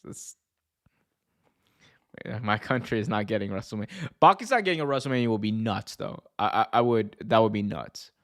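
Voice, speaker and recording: A man's voice: fairly low pitch, brisk, pauses often, fairly bright tone. Slangy North American man hosting a livestream. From United States. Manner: slangy, profane, laughs often. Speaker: wrestling show host and livestreamer. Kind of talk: casual livestream chat reacting to viewer comments.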